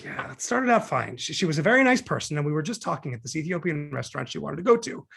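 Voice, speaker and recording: Casting: man playing neurotic, defensive wisecracker, gravelly voice, lively swings in pitch, table-read comedy. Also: fast talker, heavily acted. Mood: anxious, exasperated. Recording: remote video-call table read.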